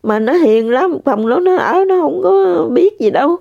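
An older woman giving an emotional, halting spiritual testimony to listeners, often repeating herself. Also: sits high, expressive, vocal fry, dark tone, no room sound. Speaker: religious practitioner sharing testimony. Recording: dull lo-fi sound.

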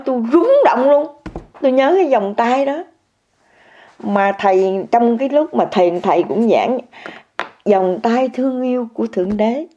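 A woman's voice: on the high side, warm tone. Older woman, muffled, repetitive testimony. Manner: repetitive, emphatic, addresses listeners directly. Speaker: meditation practitioner sharing an experience. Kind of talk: personal testimony to viewers. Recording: muffled lo-fi recording.

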